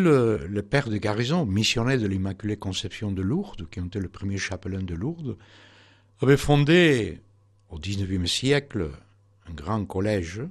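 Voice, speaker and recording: Older Argentine priest telling a story. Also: male voice, on the low side, husky. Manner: halting, with many fillers and restarts. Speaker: priest, former shrine rector. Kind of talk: radio interview, personal storytelling.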